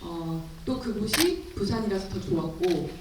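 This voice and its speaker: A woman actress from Busan speaking reflectively and warmly at a film Q&A, with many pauses and fillers. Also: medium pitch, lively intonation. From Busan, South Korea. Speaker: actress at a screening Q&A. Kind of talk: festival Q&A talk. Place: cinema auditorium at a film festival. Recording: echoey hall from far off, noisy.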